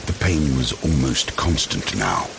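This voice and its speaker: A man with a gravelly voice delivering dramatic scripted narration for a gothic horror audio drama. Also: extremely low pitch, big pitch swings, unhurried, background noise. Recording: loud cinematic music and rain behind.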